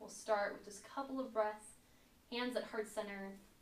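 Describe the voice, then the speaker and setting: A woman speaks in a flat, monotone way at a fairly quick pace. There is light background noise and audible echo in the room. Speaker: yoga instructor. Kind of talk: tutorial. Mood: calm, soothing. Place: home room.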